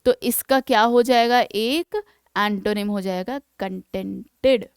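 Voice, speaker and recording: A woman teaching English vocabulary for exam preparation, explaining in Hindi and reading English example sentences slowly and deliberately, often checking in with her students. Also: medium pitch, clean tone, no room sound. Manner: keeps checking in with "है ना". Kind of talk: exam-prep vocabulary lesson.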